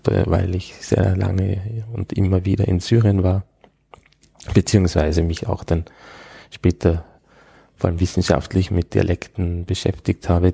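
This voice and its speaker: Man, low gravelly voice, dark and husky, measured interviewee pace with fillers. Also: flat delivery, dry recording. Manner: thoughtful, hesitant with frequent fillers. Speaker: interviewee, Arabic scholar. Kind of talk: conversational interview.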